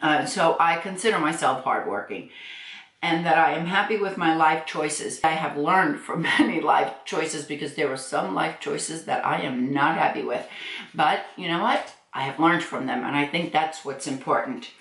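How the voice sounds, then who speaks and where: A woman's voice: low-pitched, normal speed, fairly bright tone. Chatty woman in her sixties, roomy echo. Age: 60s. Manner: chatty, laughs often, frank. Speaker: beauty vlogger. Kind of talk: casual chat reading viewer comments. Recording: echoey room.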